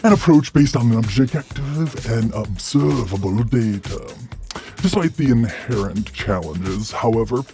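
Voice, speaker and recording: A man talking through a deep demon voice-changer effect, playfully reading a news item on a podcast. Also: animated, measured pace, dark tone, faint music behind. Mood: gleeful. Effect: deep demon voice-changer filter.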